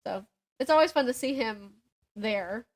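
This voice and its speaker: A woman's voice: a little high, a little slow. A woman co-hosting a book podcast in casual, chatty banter, with an informal, slangy way of telling stories and acting out what people said. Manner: informal, slangy, animated retelling with acted-out quotes.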